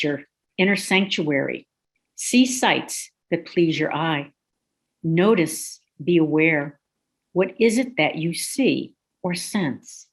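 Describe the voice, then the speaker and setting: A woman guiding a relaxation meditation in a slow, soothing, gently instructive way. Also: fairly low pitch. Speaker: meditation guide.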